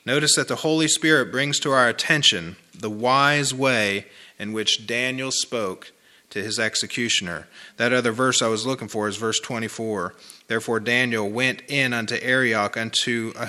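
A man delivers a homely, chatty sermon to a small congregation. His voice is very bright and forward, and he often says a phrase twice for weight. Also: medium pitch. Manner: conversational, folksy, repeats phrases for emphasis. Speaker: pastor. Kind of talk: informal sermon with congregation responses.

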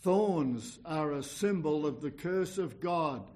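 A man's voice: fairly high pitch, expressive, takes it slowly, darkish tone. A man preaching an evangelical sermon in an earnest, exhorting manner, often repeating phrases and posing questions.

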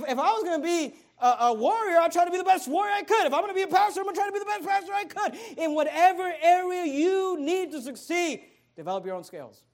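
A young adult man preaching a sermon as pastor, emphatic and repetitive, driving his points home. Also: extremely high pitch.

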